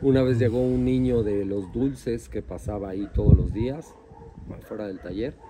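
A man talks with lively intonation while noticeable background noise runs underneath. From Mexico. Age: 40s. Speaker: mechanic; interviewee. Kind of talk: casual chat. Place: garage. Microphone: phone near.

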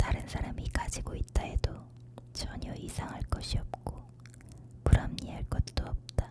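The words are whispered fairly slowly. Noticeable noise sits in the background. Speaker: online lecturer and ASMR channel host. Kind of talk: ASMR audiobook reading, bedtime whisper. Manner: whispered, soft, slow.

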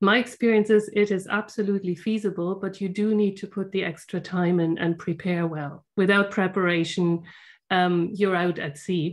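Speaking at a moderate pace with fairly even intonation, a woman with a German accent has a medium pitch against a quiet background. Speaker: braille educator. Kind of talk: panel discussion. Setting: video call.

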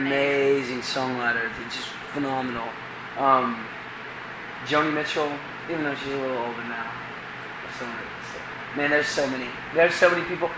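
The speech moves at a fairly quick pace broken by long, frequent pauses, with noticeable background noise. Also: man. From Tennessee. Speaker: singer-songwriter. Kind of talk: interview answer. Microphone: camera far.

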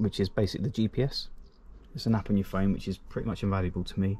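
A man speaks very fast with a fairly low pitch and fairly even intonation. His tone is dark and mellow. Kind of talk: casual gear walkaround. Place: garden. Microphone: camera far.

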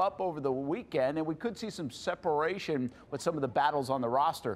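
A man's speech at a fairly quick pace. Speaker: sports TV host. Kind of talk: news presentation. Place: studio. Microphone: lapel.

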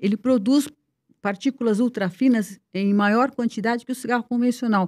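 Against a quiet background, a woman speaks at a fairly quick pace. Her fairly high voice has a dark, mellow tone and ordinary pitch variation. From Brazil. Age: 50s. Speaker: cardiologist; guest. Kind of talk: interview. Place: studio. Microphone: studio mic.

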